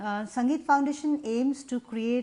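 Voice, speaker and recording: A woman speaks with a Bengali accent and ordinary pitch variation. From India, Bengali. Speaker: singer and former radio jockey. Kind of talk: live stream talk. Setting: Facebook Live video stream. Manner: hesitant, many fillers.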